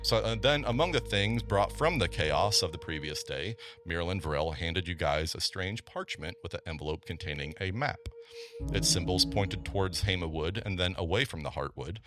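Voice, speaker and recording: Over music, a man with a low, animated voice hosts a tabletop game podcast as game master, speaking at a moderate pace. He chats casually while recapping the story, stumbling over words frequently and laughing often.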